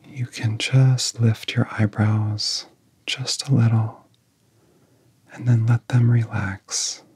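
A man guiding a relaxation in soft-spoken ASMR style, with a soft, whispery voice and gentle, soothing phrasing broken by long pauses. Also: medium pitch, flat delivery, no room sound. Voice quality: soft, breathy, often whispery. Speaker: ASMR hypnosis guide.

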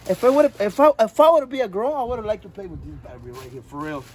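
Playful man, lively high voice. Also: fast talker, a little hiss or hum. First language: Spanish. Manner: playful, laughs a lot, grateful. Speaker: guest vlogger. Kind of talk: casual vlog chat. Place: outdoors at storage units.

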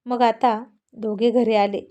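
A woman reads a serialized family story aloud, lively and expressive, at a slow pace. Her voice is fairly high yet warm and mellow, and her clear storytelling keeps the tale moving. The sound is lo-fi.

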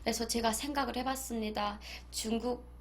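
A woman's voice: on the high side, fairly even intonation, brisk. A young woman from North Korea, chatting casually in a vlog, often laughing and acting out the voices of people she quotes. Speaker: YouTuber.

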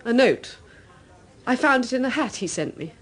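An actress playing an anxious, distraught wife in a radio drama, halting and fragile yet insistent. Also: female voice, on the high side, expressive, slightly rough. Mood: anxious, faint. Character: anxious, distraught married woman insisting her husband lives.

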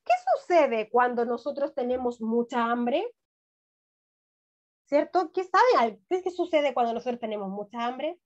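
A middle-aged primary school teacher runs an online class for young children, her slightly high, animated voice moving at a measured pace. She is encouraging and asks lots of questions, heard through dull, lo-fi video call audio.

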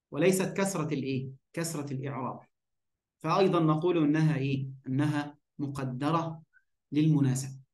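High-voiced Egyptian man teaching grammar. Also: reverberant. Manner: poses questions and answers them himself, keeps checking understanding. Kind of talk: online grammar lesson.

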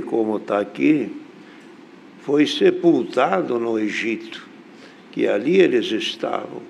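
An older man with a Brazilian Portuguese accent preaching a sermon from a church pulpit into a stand mic, slow and deliberate with emphatic rises. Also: mid-range voice, creaky, a little mellow, a little hiss or hum.

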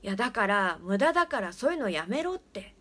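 A woman voicing a schoolboy at a summer camp, calling out loudly and getting annoyed. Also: fairly high pitch, lively intonation, normal speed. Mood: irritated.

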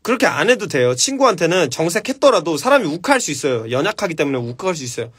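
A man's voice: fairly high pitch, very animated, fast talker, fairly bright tone, breathy edge. A man hosting a casual live stream, answering viewer questions with blunt, profane advice.

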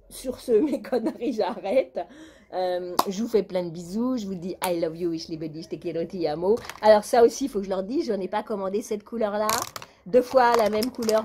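A woman's voice: medium pitch, mellow, a little hiss or hum. A woman vlogger chatting casually at home, chatty and complaining. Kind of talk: casual chat.

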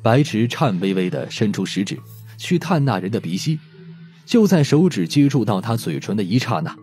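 A man narrating a mystery audiobook in an expressive storytelling manner. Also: lowish voice, moderate pace, faint music behind.

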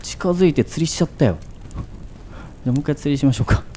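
A man's voice: fairly high pitch, animated, quick pace, warm tone. A man giving casual horror game commentary, thinking aloud and asking himself questions. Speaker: gaming commentator.

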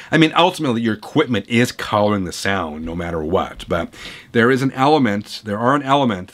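A man in his forties with a voice hoarse from a cold, hosting a vinyl channel and chatting opinionatedly through viewer comments from his home record room. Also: on the low side, a bit bright. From Canada. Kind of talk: casual reading of viewer comments. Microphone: camera close up at desk.

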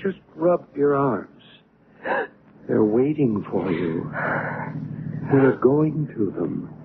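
A mysterious stranger in a 1970s radio drama, coaxing and hypnotic. He talks very slowly and portentously. The old recording is phone-thin with faint noise. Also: medium pitch, big pitch swings, gravelly, narrow, tinny audio, full character voice. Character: mysterious, coaxing man luring a woman to aliens.

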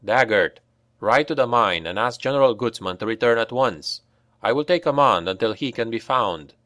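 A man's voice: mid-range voice, animated, moderate pace, a bit bright, no echo, clean studio sound, close to an everyday voice. A man voicing a commanding middle-aged male fort commander issuing orders.

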